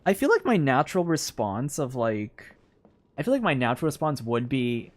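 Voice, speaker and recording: Animated male streamer thinking aloud. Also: mid-range voice, moderate pace. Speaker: game streamer. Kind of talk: casual live gameplay commentary.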